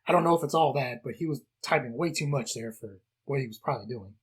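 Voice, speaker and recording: A podcast co-host recaps a film in loose, rambling chatter with many fillers. The voice is husky and sits at a middling pitch. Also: quick pace. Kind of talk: casual film discussion.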